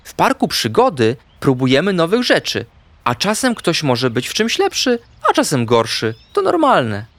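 A man voicing a calm, wise female owl who gently guides the children in a storybook. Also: a little high, normal speed, dry recording, voice pushed up, exaggerated voice. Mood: soothing.

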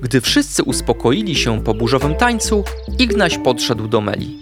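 A man narrating a children's bedtime story in an expressive, playful way. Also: medium pitch, normal speed. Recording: faint background music.

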